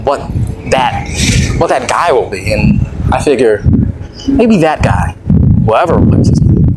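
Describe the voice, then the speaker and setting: A man's voice: mid-range voice, lively intonation, measured pace. A young adult man giving a casual, rambling audio diary, hesitantly repeating words and trailing off, with a dry, self-deprecating manner. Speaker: vlogger recording an audio log. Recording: very noisy audio with clicks.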